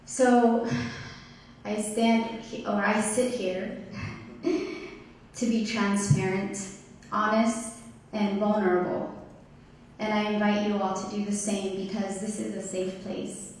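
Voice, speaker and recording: A woman from Ethiopia in her thirties giving a prepared community talk as guest speaker, slow and deliberate. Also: medium pitch, level tone, darkish tone. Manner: slow, deliberate, measured delivery. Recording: echoey hall, distant mic, faint noise.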